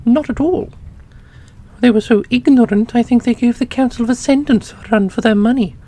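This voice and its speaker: A woman's voice: fairly high pitch, moderate pace, dark tone, close to an everyday voice. A woman playing a haughty immortal being in a fantasy audio roleplay, speaking formally and precisely with a superior manner. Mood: scornful.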